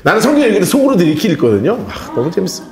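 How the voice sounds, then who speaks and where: Animated male pastor teaching Bible study. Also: sits high, racing, reverberant, a crowd in the background. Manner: lively, dramatizes the text, laughs often. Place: church.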